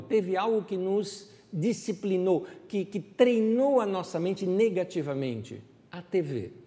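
A male pastor gives a relaxed, conversational sermon, often turning to his listeners with questions. His voice is mellow and warm-toned. It rings with a long reverb, as in a church hall. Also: high-pitched. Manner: reflective, conversational, rhetorical questions.

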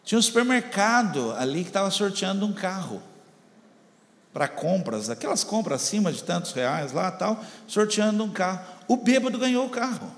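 A pastor telling a story in a sermon, acting out the voices and building up to shouts. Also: male voice, high voice, lively intonation, normal speed. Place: church. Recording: long church reverb.

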